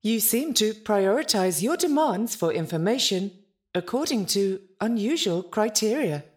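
A woman's voice: mid-range voice, lively intonation, measured pace, close to an everyday voice. A woman playing a prim, evasive, literal-minded ship's intelligence in a science-fiction audio drama, speaking with dry, formal politeness. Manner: formal, pedantic, dryly polite.

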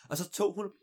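An improvising storyteller who tells the tale in an animated, playful way and laughs at the jokes. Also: mid-range voice, slightly rough.

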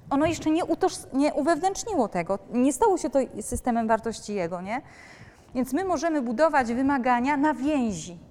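Woman, fairly high voice, parenting counselor, talk to an audience, direct, frequent tag questions, long hall reverb.

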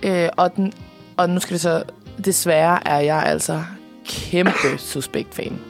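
A young woman from Denmark telling a story excitedly in casual chat, swearing and laughing often. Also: lowish voice, vocal fry, soft background music. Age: young adult.

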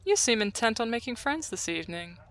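A man voicing a bright, teasing little samurai woman. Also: very high voice, sing-song, fairly quick, pitched above the performer's own voice, exaggerated voice. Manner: playful, gently probing.

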